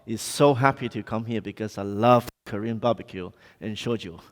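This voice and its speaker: Hong Kong man speaking in an echoey hall. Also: fairly low pitch. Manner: halting, informal, non-native English phrasing. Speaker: conference speaker. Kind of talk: conference presentation. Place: conference hall. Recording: echoey hall, long reverb.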